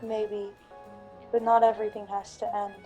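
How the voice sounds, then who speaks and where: A woman playing a world-weary but earnest male city detective in a radio drama, with deliberate delivery. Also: mid-range voice, little pitch movement, dark tone, muffled recording, faint music behind, natural voice. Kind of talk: radio drama acting with reflective monologue.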